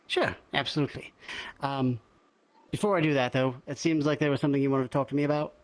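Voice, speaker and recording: A roleplayer speaking in character in an improvised conversation, hesitant, halting and polite. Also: mid-range voice, steady tone. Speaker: roleplayer in a virtual reality game.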